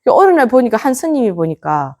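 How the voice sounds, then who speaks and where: A Buddhist nun lectures lay students, telling stories with acted quotes and rhetorical questions, her voice fading to soft near-whispers at phrase ends. She speaks a little fast in a fairly high female voice with big pitch swings.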